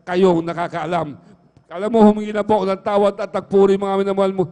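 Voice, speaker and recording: In a church hall, captured on a livestream full of long hall reverb, a middle-aged man offers an earnest testimony during worship. His voice is high, mellow and smooth, racing along in a monotone. Again and again he calls the congregation "mga minamahal."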